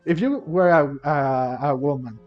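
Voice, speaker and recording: Slow, halting man with a Hispanic accent. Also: a little high. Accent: Hispanic Spanish. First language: Spanish. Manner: halting, repeats and rephrases himself, switches languages. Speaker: gameplay commentator. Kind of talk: casual game commentary explaining story dialogue. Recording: dull lo-fi mic over game music. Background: game music.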